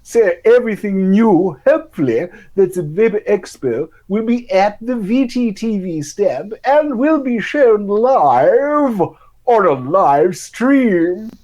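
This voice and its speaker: A man's voice: sits high, lively intonation, slow pace, a little mellow. A man with a Sunderland Mackem accent, co-hosting a live-stream show with blunt, jokey banter. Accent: Sunderland (Mackem) English. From North East England. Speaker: co-host.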